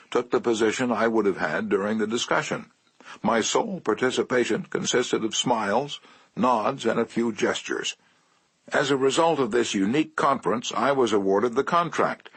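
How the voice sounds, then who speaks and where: A man reading a self-help audiobook in a measured, lively way, slowing down for emphasis. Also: on the low side, husky, no echo, rough recording. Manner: measured, lively delivery with slow emphatic phrases. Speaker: audiobook narrator. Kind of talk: scripted audiobook narration.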